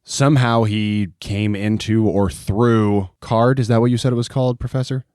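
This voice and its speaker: A man's voice: on the low side, steady tone, normal speed, a little mellow, no echo, studio quality, lightly acted. A man voicing a chummy, wry adventurer in a casual, conversational way during a tabletop game. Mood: wry, matter-of-fact. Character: chummy, wry male adventurer reuniting with a friend. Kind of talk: in-character tabletop role-play.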